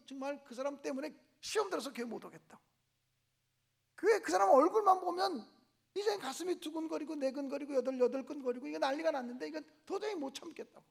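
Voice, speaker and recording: A man's voice: very high voice, creaky. A male pastor preaching a revival sermon in a church, telling stories and acting out the voices of church members. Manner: animated storytelling, voicing church members in dialogue. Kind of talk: revival sermon with acted-out anecdotes. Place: church sanctuary.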